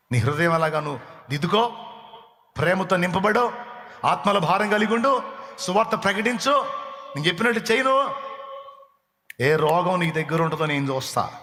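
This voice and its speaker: Impassioned male preacher in echoing hall. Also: on the high side. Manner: impassioned, repeats phrases, swings between loud and hushed. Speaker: pastor. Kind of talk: sermon. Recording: long reverb with faint background noise.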